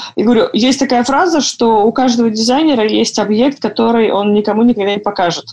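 This woman's voice sits fairly high in pitch. She speaks very fast. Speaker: interior designer. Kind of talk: interview.

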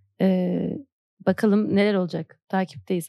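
A woman speaks at medium pitch against a quiet background. The sound is dry and close, with no echo. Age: 30s. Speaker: content creator and designer. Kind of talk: casual chat. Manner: talkative.

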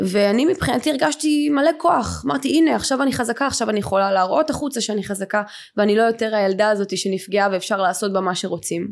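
A woman with an ordinary speaking voice talks at a fairly high pitch and a fairly quick pace. Her intonation is lively, and she takes hardly any pauses. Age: 20s. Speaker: podcast host and guest, reality show contestant. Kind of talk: conversational interview.

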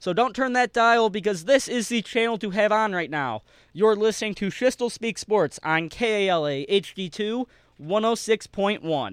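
A man with a high pitch speaks in an upbeat, energetic tone at a moderate pace. His pitch varies in an ordinary way against a quiet background. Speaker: radio host. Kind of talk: radio sports show patter, scripted-sounding. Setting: radio studio. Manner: upbeat, energetic, polished broadcaster delivery.

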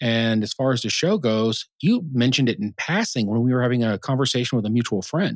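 A man in an ordinary speaking voice talks at a fairly quick pace with hardly any pauses. His medium pitch shows ordinary pitch variation, in a very clean recording with a silent background. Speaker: former rehab counselor, podcast team member. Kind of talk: casual team discussion.

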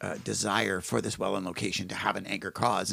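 A man speaks at a moderate pace with vocal fry and a bright, sharp tone. The recording is very clean, with a silent background. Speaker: church podcast host. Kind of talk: casual interview.

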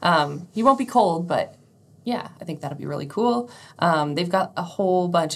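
Speaking at a moderate pace, a woman with an ordinary speaking voice uses lively intonation over a fairly low pitch. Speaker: podcast host. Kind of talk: casual chat.

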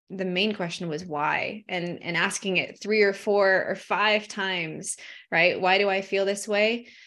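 In an American accent, a woman uses an ordinary speaking voice at medium pitch, with fairly even intonation and a fairly slow pace, on a very clean recording with a silent background. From Montana, US. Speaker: mental performance coach. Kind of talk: interview conversation.

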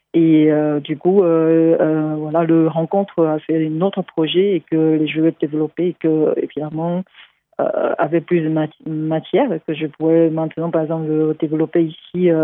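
A woman's very deep, low voice at a fairly slow pace, with monotone, flat intonation. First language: Taiwanese Hokkien / Mandarin (speaking French). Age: 40s. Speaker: comic book author and illustrator. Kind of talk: interview. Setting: remote. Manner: halting.

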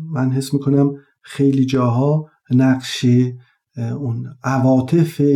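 The delivery is very slow, with a dark, mellow tone. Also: man. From Iran, Taft near Yazd. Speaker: interviewee sharing life story. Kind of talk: interview testimony. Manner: halting.

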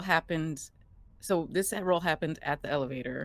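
A woman talks in an ordinary speaking voice at a fairly low pitch with ordinary pitch variation. The recording is very clean, with a silent background. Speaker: cosplayer and tabletop game player. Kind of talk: tabletop role-play live stream.

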